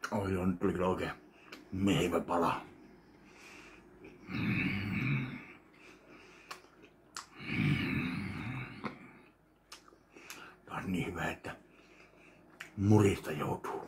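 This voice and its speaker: This food review vlogger, a man in his 30s from Finland, eats and talks in a casual tasting video made indoors in a small home kitchen, chewing audibly, humming, and muttering asides. He speaks in an animated low voice that pauses often, with slight background noise. The close-framed mic is a desk webcam.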